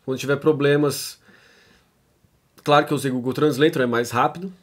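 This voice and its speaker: A man's voice: mid-range voice, steady tone, fairly quick. A Brazilian man with a Brazilian Portuguese accent, giving an informal lecture as he reads out a text and comments on it, often tagging his sentences with questions. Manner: conversational, frequent tag questions and fillers. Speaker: lecturer on theology.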